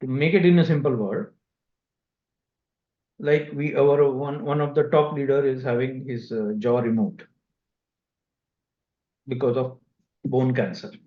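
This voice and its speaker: A man with an Indian accent answering investors as a company executive on a conference call, speaking haltingly with pauses mid-sentence. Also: medium pitch, steady tone. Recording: dull, echoey conference call audio.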